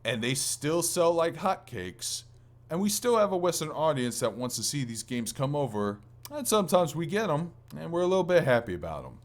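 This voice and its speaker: A man's voice: a little high, big pitch swings, normal speed. A man co-hosting a podcast, chatting casually about video games in a rambling, conversational way. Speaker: podcast co-host.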